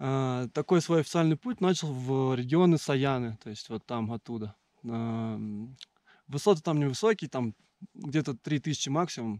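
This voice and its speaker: Lively intonation marks this man's medium-pitched voice. He speaks at a fairly slow pace, and the sound is dry and close with no echo. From Moscow, Russia. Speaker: mountaineer and rafter. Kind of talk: interview. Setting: mountain hut. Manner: hesitant, many fillers.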